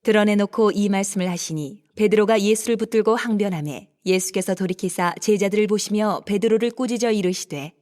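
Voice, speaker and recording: A woman narrating scripture in a calm, even, reverent manner. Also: medium pitch, brisk, hardly any pauses.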